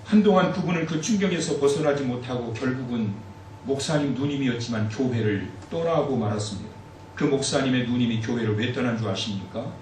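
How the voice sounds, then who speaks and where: A man's voice: mid-range voice, fairly quick, a little mellow, far from the mic. A man preaching a Sunday sermon as pastor, acting out anguished prayers and quoted voices with swelling intensity. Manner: dramatic, acts out pleading prayers with rising intensity. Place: church sanctuary. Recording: echoey church hall from afar, faint hiss.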